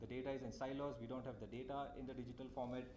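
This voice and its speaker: A man at a very fast pace, with audible room echo. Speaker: tech company speaker at conference. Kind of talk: conference presentation. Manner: halting, many fillers.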